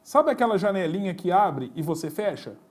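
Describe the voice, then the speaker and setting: A man's voice: high voice, big pitch swings, fairly quick. Blunt, slangy man teaching. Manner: blunt, slangy, addresses students directly. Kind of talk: informal exam-prep lecture.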